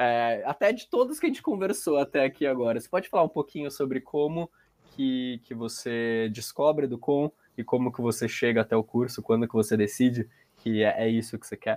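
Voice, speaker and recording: Speaking fairly quickly at a medium pitch, a man shows big swings in loudness and ordinary pitch variation, in a very clean recording with a silent background and a dry, close sound with no echo. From São Paulo city, Brazil. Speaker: podcast host. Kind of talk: podcast interview.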